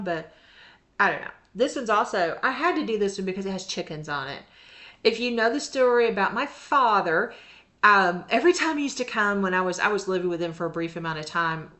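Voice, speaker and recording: A woman's voice: medium pitch, pushed and bright. A woman in a casual, rambling show-and-tell vlog about her cross-stitch projects, laughing often as she talks.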